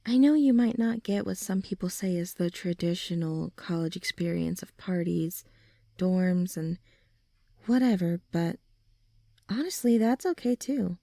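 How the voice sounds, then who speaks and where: A young woman playing a supportive, gently reassuring friend in an ASMR comfort roleplay, speaking softly and soothingly. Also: on the low side, expressive, a little slow, dry recording, full character voice. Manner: soft, soothing, encouraging, breathy sighs and chuckles.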